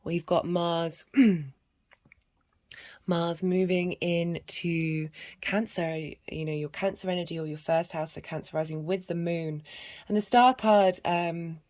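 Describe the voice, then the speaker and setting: A woman with a husky voice and a cough, giving a rambling casual tarot and astrology reading full of fillers and restarts. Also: fairly low pitch, steady tone, takes it slowly, a little mellow. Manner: meandering, many fillers and restarts. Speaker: tarot reader.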